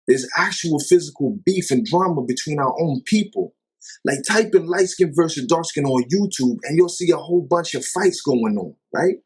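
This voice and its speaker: A man's voice: a little high, lively intonation, moderate pace, husky. A man vlogging an impassioned commentary monologue, emphatic and exasperated, firing off rhetorical questions.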